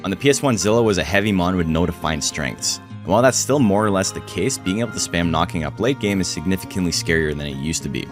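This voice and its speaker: Hoarse deep-voiced man talking fast. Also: lively intonation, over music. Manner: blunt and casual, swears freely. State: hoarse, voice cracking and frying. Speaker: host of a game strategy channel. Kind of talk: scripted video-essay narration.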